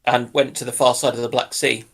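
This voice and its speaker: A man chatting casually on a panel in a halting way. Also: mid-range voice, flat delivery, a bit bright, slightly rough. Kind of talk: casual chat.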